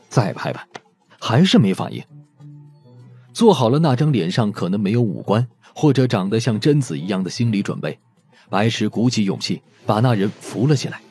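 Mellow male storyteller with animated pitch. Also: husky. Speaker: audiobook narrator. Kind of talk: scripted audiobook narration of a mystery novel.

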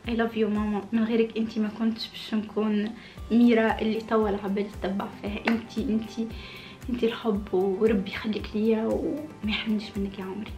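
A woman's voice: medium pitch, flat delivery, fast talker, warm tone, echoey room, soft background music. A woman in her late twenties chatting casually and expressively as she answers viewer questions in a small room. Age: late 20s. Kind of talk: casual chat. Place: small indoor room with red curtains.

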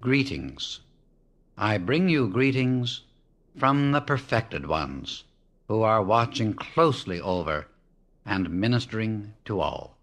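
Slow, solemn male audiobook reader. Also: on the low side, animated, fairly bright tone. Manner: measured, reverent, with long pauses. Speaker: audiobook narrator. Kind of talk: slow, solemn reading of devotional text.

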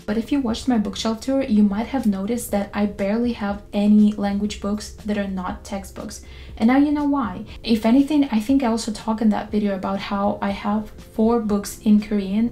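Young woman, non-native English speaker, gravelly low-key tone, mellow timbre, candid explanatory talk to camera. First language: not English. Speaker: language learning YouTuber. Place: bedroom with photo-covered wall.

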